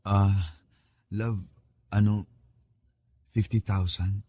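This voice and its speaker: A man's voice: on the low side, little pitch movement, very slow, mellow, breathy edge, no echo, exaggerated voice. A man playing a desperate gambler boyfriend in a radio drama, pleading and whining hesitantly. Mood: sheepish pleading. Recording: dramatic music bed behind the voice.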